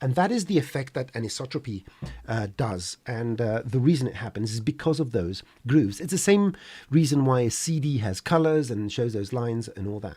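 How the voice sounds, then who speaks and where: A man talks at a fairly quick pace with lively intonation and a medium pitch. His tone is dark and mellow, and somewhat breathy. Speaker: 3D graphics tutor and livestreamer. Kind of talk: live tutorial. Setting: home studio livestream. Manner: halting, many fillers.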